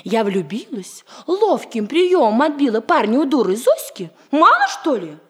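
A woman's voice: sits high, wildly swooping pitch, a little slow, full character voice. An actress playing a cheeky, lovestruck eighteen-year-old daughter who teases her mother, acted in a 1960s radio comedy style. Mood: teasing. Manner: pert, teasing, playful.

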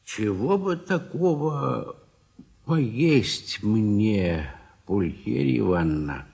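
Old country husband, deep husky voice, gentle, hesitant, food-loving, radio drama. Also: male voice, expressive, extremely slow, full character voice. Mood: mild, hungry. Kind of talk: radio play acting.

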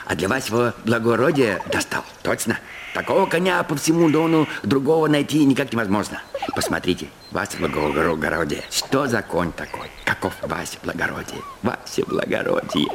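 A man's voice: lowish voice, expressive, moderate pace, background noise, pitched above the performer's own voice. A man voicing a fawning, frightened male horse trader in an audiobook, pleading and wheedling. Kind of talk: audiobook character voice.

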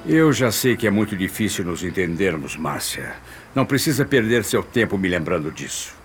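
An actor playing a humble, grieving middle-aged husband in a radio soap, restrained and apologetic. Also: male voice, deep voice, sing-song, normal speed, soft background music. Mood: pained, grave. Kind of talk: radio soap opera acting.

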